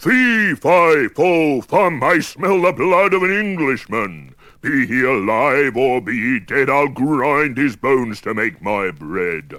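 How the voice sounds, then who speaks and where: Bellowing in a put-on character voice, a man with a medium pitch goes at a fairly slow pace with hardly any pauses. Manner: roaring, booming.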